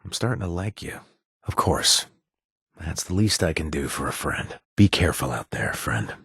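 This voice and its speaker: A wry, husky ex-raider. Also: male voice, rumbling low, big pitch swings, moderate pace, dry recording, studio quality, heavily acted. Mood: caring. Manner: joking, warm and protective. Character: wry ex-raider man, friendly informant. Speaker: game companion. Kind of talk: video game voice lines.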